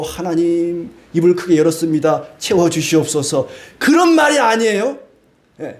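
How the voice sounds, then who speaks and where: A man's voice: high voice, a little mellow. A middle-aged male pastor from Korea, preaching a sermon with homey stories and acted-out quotes.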